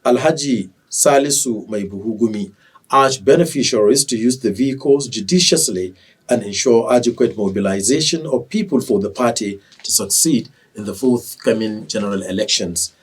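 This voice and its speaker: A male news anchor with a Nigerian accent delivers scripted bulletins formally and with measured phrasing. His voice is husky and mid-pitched, picked up a little way from the microphone. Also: far from the mic.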